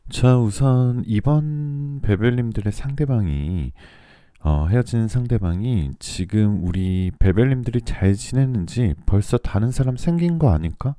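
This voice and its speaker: A man reading tarot for listeners in a soothing, polite, measured radio-like style, his voice still recovering from a throat cold. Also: medium pitch, lively intonation, warm tone, no room sound. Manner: soothing, polite, measured delivery meant to lull listeners to sleep. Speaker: tarot reader and channel host.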